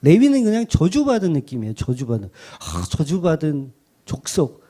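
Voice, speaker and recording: A man's voice: a little high, huge pitch swings, moderate pace, mellow, husky. A man preaching as pastor in a conversational style, often starting sentences over. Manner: conversational preaching with many restarts and repeated "그러니까". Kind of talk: sermon.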